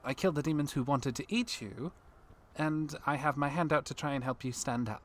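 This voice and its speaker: A man's voice: fairly high pitch, a little fast, close to an everyday voice. A man playing a terse, matter-of-fact rescuer with an axe in an audio drama, dry and businesslike.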